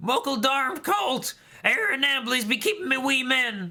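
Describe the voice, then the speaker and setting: Shouting in a raised, projected, put-on character voice, a man holds an extremely high pitch at a moderate pace. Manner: yelling.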